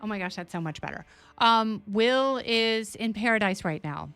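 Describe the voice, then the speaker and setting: A woman guest-hosting a casual political podcast, quick and sarcastic with jokey asides. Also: mid-range voice, animated, a bit bright, smooth, dry recording, soft background music. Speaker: guest host.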